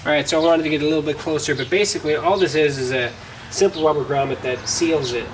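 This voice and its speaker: A man's voice: on the high side, fast. A man hosting a casual how-to car tutorial, thinking aloud in a folksy way as he works. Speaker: DIY car tutorial host. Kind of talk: casual how-to narration while working. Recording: distant mic, clearly noisy, vehicle ambience.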